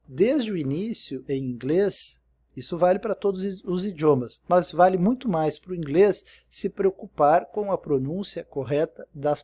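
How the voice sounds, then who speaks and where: A man's voice: on the high side, warm tone. A man teaching an English lesson while showing a dictionary on screen. He explains patiently and keeps checking in with his listener. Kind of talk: recorded screen-share lesson.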